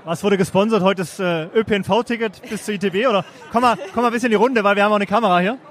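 A man from the Stuttgart area hosts a casual podcast chat at a trade fair lounge. His voice sits fairly high for a man, and he jokes along, pausing on plenty of fillers. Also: fairly bright tone. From Germany, Stuttgart area. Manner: chatty, joking, hesitant fillers. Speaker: podcast host.

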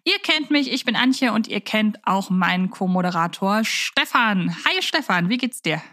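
A woman co-hosts a chatty fan podcast. She talks at length in a medium-pitched voice and repeats words for emphasis. The sound is dry, with little room in it. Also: lively intonation, normal speed, pushed and bright, dry recording. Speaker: podcast co-host.

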